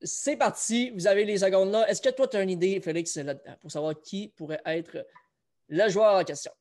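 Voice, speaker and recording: A man's voice: high voice, brisk, a little mellow. A man with a Quebec French accent, hosting a casual sports chat show and running a trivia quiz. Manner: chatty, runs a trivia quiz. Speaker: host.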